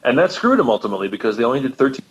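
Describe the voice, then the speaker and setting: A man's voice: mid-range voice, big pitch swings, racing, highs cut off. A man who is a guest musician on a podcast, chatting casually and emphatically, often repeating words for stress. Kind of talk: casual conversational chat.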